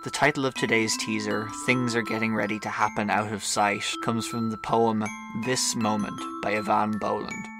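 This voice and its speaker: A man's voice: on the low side, level tone, moderate pace, music in the background. A man reading scripted promo and credits as an announcer.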